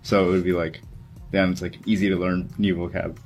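A man's voice: low-pitched, level tone, a little fast, a little mellow, faint music behind. A man co-hosting a podcast in casual conversation, with informal, slangy phrasing. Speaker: podcast co-host.

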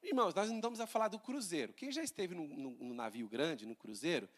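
A male pastor, preaching a sermon in a church in an animated, conversational way, with humor and rhetorical questions. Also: fairly high pitch, quick pace.

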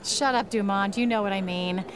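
A woman's voice: mid-range voice, normal speed, a crowd in the background, lightly acted. A woman playing a blunt, skeptical confidante of a vigilante in a pulp radio drama, frank and sardonic.

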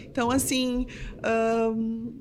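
A woman from southern Brazil with a Rio Grande do Sul accent, sitting as a guest on a casual podcast. Her voice sits a little high, and she tells her stories with energy, slipping into the voices of the people she quotes. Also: takes it slowly, a little hiss or hum. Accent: Rio Grande do Sul Portuguese. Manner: animated storyteller, acts out quoted voices. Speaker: podcast guest, sports reporter. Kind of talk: casual storytelling interview.

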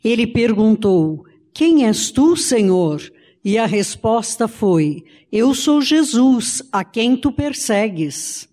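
A woman reading scripture aloud in a measured, even way during a sermon. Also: a little high, big-room sound. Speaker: scripture reader.

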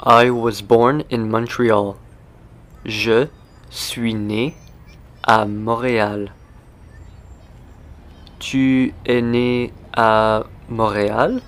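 A man hosting a language lesson, speaking slowly and deliberately and repeating simple phrases for learners. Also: mid-range voice, fairly even intonation, a bit bright. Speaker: language teacher. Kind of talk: slow scripted language lesson.

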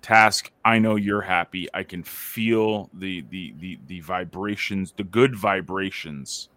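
A man's voice: deep voice, takes it slowly, a bit bright, no room sound. A man co-hosting a podcast in casual, conversational chat. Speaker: podcast co-host.

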